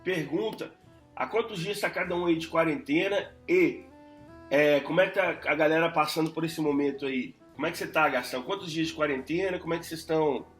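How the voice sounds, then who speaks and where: A man's voice: fairly high pitch, brisk, roomy sound, soft background music. A man from Brazil co-hosting a casual podcast, asking questions in an upbeat, playful way. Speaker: podcast co-host.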